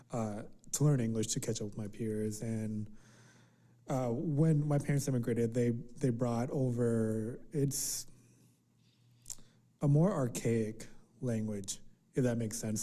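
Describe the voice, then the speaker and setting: A man whose first language is Vietnamese, giving a thoughtful personal narrative in an interview, pausing with fillers as he talks. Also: medium pitch, warm tone. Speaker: interviewee in heritage language archive.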